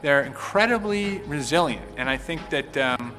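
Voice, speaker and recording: Bright-voiced man musing in an interview. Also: fairly high pitch, animated. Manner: reflective, halting, repeats words. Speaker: game co-creator. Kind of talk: documentary interview. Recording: reverberant room with faint music.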